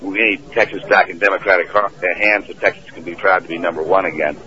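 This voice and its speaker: A governor as radio guest, speaking briskly and promotionally. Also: male voice, low voice, fairly even intonation, crowd noise. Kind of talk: political talk on a radio call-in. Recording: dull lo-fi radio audio.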